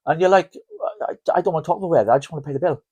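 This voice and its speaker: A man's voice: on the high side, rapid-fire, mellow, slightly rough, highs cut off. A Welsh man hosting a podcast in a casual, jokey chat, rambling and restarting his sentences. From Wales. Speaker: podcast host.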